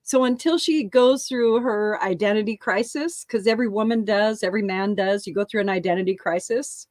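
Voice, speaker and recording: A woman's voice: medium pitch, fairly quick, a little mellow, no echo, clean studio sound. A middle-aged woman co-hosting a casual talk show, speaking candidly, swearing freely and laughing often. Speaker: co-host. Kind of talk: casual chat.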